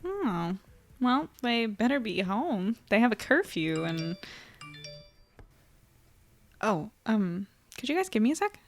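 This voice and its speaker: A woman's voice: a little high, big pitch swings, slow pace, pauses often, faint music behind, heavily acted. A woman playing a chatty, upbeat young woman telling about her night in an audio drama. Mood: casual, friendly. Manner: chatty, conversational. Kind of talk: first-person audio drama narration and dialogue.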